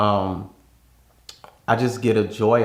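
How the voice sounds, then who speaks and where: A man's fairly low-pitched voice, fairly slow and monotone, with flat intonation. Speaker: father. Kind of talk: interview answer. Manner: expressive.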